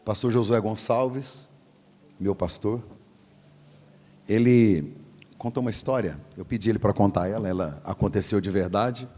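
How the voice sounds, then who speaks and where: Husky-voiced preacher in a reverberant church. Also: male voice, fairly low pitch, measured pace, long pauses. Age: 40s. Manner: animated, acts out voices in the story. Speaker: pastor. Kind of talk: storytelling sermon. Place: large church hall. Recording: long hall reverb.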